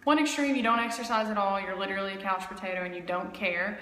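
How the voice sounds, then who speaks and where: A woman's voice: medium pitch, steady tone, quick pace, bright, forceful tone, slight background noise. A woman in her twenties, a health coach, giving a casual, emphatic talk to camera and often checking in with "okay?". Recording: echoey room with long reverb.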